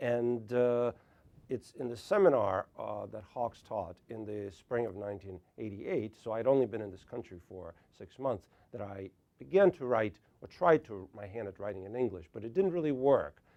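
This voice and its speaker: A man speaks at a moderate pace in a medium pitch, his intonation lively and his loudness swinging widely. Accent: Russian. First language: Russian. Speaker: author. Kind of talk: author talk interview. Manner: halting, many fillers.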